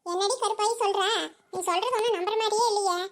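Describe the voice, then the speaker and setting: A woman plays a skeptical village woman in a cartoon who keeps asking questions in disbelief. The voice is very high and squeaky, and the lines come out quickly. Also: fairly even intonation. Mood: doubtful. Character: doubtful village woman, questioning and defensive of her friend. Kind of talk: cartoon voice acting.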